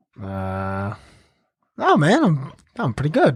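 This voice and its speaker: His voice is somewhat breathy. The man's pitch swings very widely. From New Zealand (born in the Philippines). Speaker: actor and personal trainer. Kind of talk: casual podcast chat.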